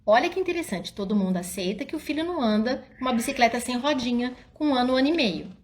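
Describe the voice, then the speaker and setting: Animated woman giving parenting talk. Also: fast, slight background noise. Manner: animated storyteller, often addresses listeners as "gente"; drops soft and low when quoting her own calm words to the child. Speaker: psychologist and parenting speaker. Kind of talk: casual live talk to parents.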